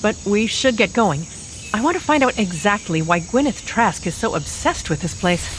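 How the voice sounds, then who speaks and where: Woman playing animated, reassuring superhero mentor. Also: mid-range voice, normal speed, a little hiss or hum, natural voice. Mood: composed, reassuring. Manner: explanatory, reassuring. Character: calm, reassuring female telepathic superhero mentor. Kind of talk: audio drama acting. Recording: clear outdoor jungle sound effects.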